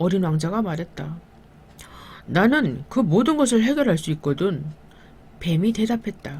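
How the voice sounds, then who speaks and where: A woman speaks at medium pitch, her voice somewhat breathy. Her pitch swings very widely, and she leaves long, frequent pauses. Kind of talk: audiobook reading, bedtime story.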